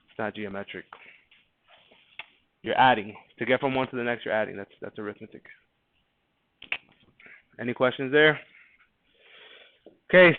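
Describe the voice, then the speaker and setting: A man's voice: medium pitch, dry recording. A man teaching a math class, going over quiz answers in a casual, chatty way and often restarting his words. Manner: casual, conversational, repeats words while thinking. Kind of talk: classroom lesson reviewing a quiz. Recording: dry, phone-like narrow sound.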